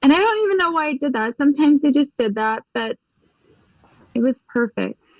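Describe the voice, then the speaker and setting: A woman with a slightly high voice tells a personal story as an interview guest, acting out each exchange vividly. She speaks as a medium recounting her experiences. The sound is dry and somewhat dull. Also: animated, normal speed, no echo. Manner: vivid storyteller, acts out quoted dialogue, laughs often.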